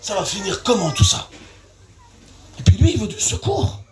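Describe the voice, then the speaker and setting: Male pastor, very high voice, fervent revival preaching, repeats phrases, pushes into shouts and sing-song lines. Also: very animated, normal speed. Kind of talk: evangelistic sermon. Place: large tent at an evening revival meeting.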